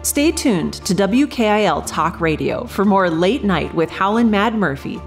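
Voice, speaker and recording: A composed radio newsreader in an audio drama. The reading is formal and announcer-like, with lively intonation over a faint music bed. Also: female voice, mid-range voice, measured pace. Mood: composed, businesslike. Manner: crisp, formal announcer delivery. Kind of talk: scripted radio news bulletin.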